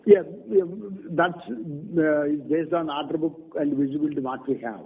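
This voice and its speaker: Indian exec man, slightly high husky voice, short halting answers, muffled call. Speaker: company executive. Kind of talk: answering questions on an earnings call. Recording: muffled narrowband conference call line.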